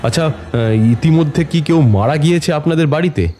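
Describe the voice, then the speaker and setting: A man's voice: fairly high pitch, brisk, mellow, close to an everyday voice. A man playing a tantric holy man, solemnly narrating his uncanny adventures in a dramatic first-person horror story. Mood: solemn, suspenseful. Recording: music bed under the voice. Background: dramatic music.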